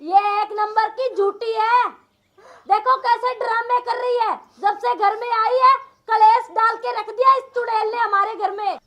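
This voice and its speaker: A bossy old mother-in-law scolds and nags in a shrill, squeaky cartoon voice, put on by a performer. The sound is very high and bright. She quarrels without letting up. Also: steady tone, a little slow, full character voice. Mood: scolding. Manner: nagging, quarrelsome.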